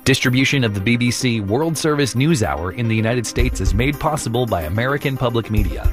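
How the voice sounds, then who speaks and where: Male sponsor announcer over music. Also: mid-range voice. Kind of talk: scripted sponsor read.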